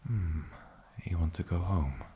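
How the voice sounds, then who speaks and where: An eccentric, age-old island demon, acted by a man speaks in an extremely deep, gravelly murmur. He takes his time, musing and coaxing with old-fashioned politeness. It is a soft-spoken fantasy ASMR roleplay with faint ambient noise behind the voice. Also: measured pace. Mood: curious, musing. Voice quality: soft, breathy low voice with gravelly creak. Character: eccentric, lonely, ancient male island demon.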